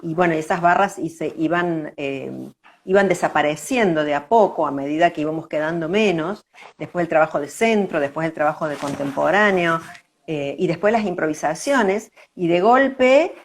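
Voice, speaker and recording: An older woman with an Argentine accent reminisces in a conversational interview, reflective, pausing and repeating words. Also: low voice. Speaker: interview guest, dancer.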